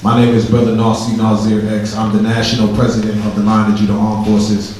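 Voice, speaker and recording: A male community activist giving a formal, steady public address and speaking directly to the crowd. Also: fairly low pitch, fairly quick. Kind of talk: public speech. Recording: very echoey room, distant mic, faint noise.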